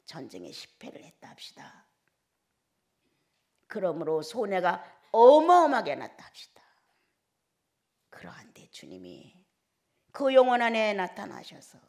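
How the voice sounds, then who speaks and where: A woman preacher delivers a Sunday sermon as a personal testimony. Her gravelly voice moves through a lively pitch range. She shifts from forceful declarations to near-whispers as she tells the story. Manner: dramatic delivery swinging between loud declarations and hushed whispers; emotional storytelling.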